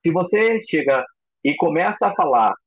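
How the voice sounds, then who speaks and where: A man teaching a recorded psychoanalysis lecture in an expressive way, acting out example voices. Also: a little high, normal speed, breathy edge, dry recording, highs cut off. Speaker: psychoanalysis instructor.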